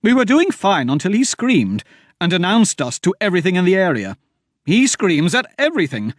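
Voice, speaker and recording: A man voicing a sharp-tongued young woman treasure hunter who talks in a bossy, dismissive way. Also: sits high, wildly swooping pitch, moderate pace, breathy edge, no echo, studio quality, voice pushed up, heavily acted. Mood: scornful.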